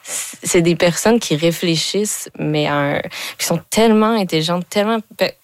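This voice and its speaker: A woman's voice: fairly low pitch, no room sound. A young woman with a Quebec French accent, a filmmaker guest in an interview, talking eagerly with many fillers. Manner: enthusiastic, fast, many fillers. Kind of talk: casual interview talk.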